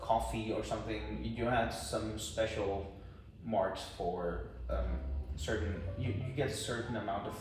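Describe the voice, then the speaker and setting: A man's voice: fairly low pitch, fairly even intonation, unhurried, far from the mic. A young man with a Danish accent hosts a casual podcast in a second language. His voice comes from a little way off in a strongly reverberant room. Faint music sits behind him as he feels his way toward words. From Aarhus, Denmark. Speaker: podcast host, volunteer English teacher.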